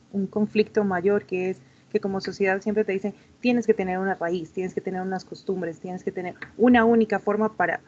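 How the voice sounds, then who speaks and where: A woman student speaking over a muffled, lo-fi video call. She reflects on a personal matter in a thoughtful, hesitant way and often stumbles and restarts as she searches for words. Her pitch sits in the middle range. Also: darkish tone, a little hiss or hum. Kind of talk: class discussion.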